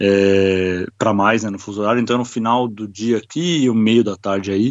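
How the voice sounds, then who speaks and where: A man's fairly low voice moves at a moderate pace, its intonation fairly even. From Brazil. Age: 40s. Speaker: Brazilian expatriate sharing grief story. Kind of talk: interview testimony. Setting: remote connection. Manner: hesitant, many fillers.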